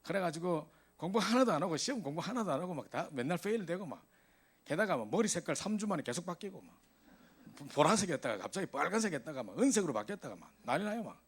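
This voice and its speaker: A man preaching a sermon to a youth service, telling stories in an animated way. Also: on the high side, fast, breathy edge. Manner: animated storytelling, voice rising in exasperation.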